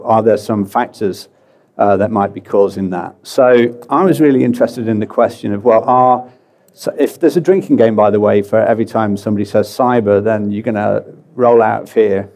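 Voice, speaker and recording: A man from the UK with a British accent, talking at a conference in a low, warm voice. He talks casually and loosely, with filler words and joking asides about himself. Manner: relaxed, chatty, many fillers and self-deprecating asides. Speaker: conference speaker. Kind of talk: presenting a conference talk. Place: conference hall.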